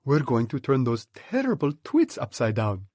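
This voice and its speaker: A man voicing a clever, bossy monkey father in a storybook audiobook, with an excited, commanding manner. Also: medium pitch, normal speed, no echo, clean studio sound. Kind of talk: audiobook character voice.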